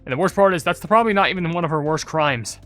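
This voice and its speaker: A man's voice: fairly high pitch, quick pace, fairly bright tone, soft background music. A young man giving casual, rambling gaming commentary, thinking aloud as he goes. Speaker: gaming video creator.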